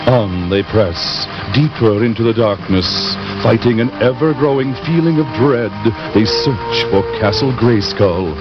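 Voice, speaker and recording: A man's voice: medium pitch, measured pace, few pauses. A man narrating a cartoon adventure in a dramatic, scripted style. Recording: lo-fi audio under loud music.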